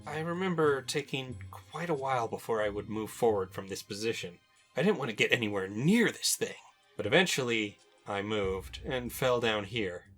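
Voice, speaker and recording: A man's voice: medium pitch, lively intonation, normal speed, a bit bright. A young adult man hosting a video game countdown with informal, personal commentary and wry asides. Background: music.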